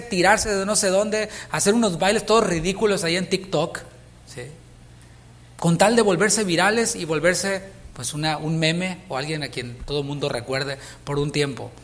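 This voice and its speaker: A man's voice: high voice, a bit bright, long reverb tail. A Mexican man preaching a sermon as pastor, speaking conversationally and asking his listeners questions. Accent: Mexican Spanish. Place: church sanctuary.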